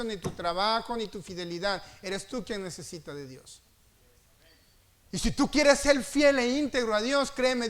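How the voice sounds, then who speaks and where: A man with a Mexican Spanish accent preaching a sermon in a church, emphatic and full of repeated refrains, his voice swinging between loud peaks and soft drops. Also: very high-pitched. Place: church sanctuary.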